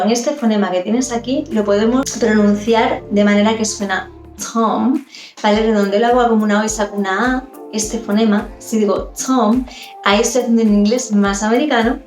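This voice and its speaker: A woman's voice: medium pitch, a little mellow, reverberant. A woman teaching English pronunciation, explaining and demonstrating sounds and often checking in with the listener. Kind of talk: explanatory lesson.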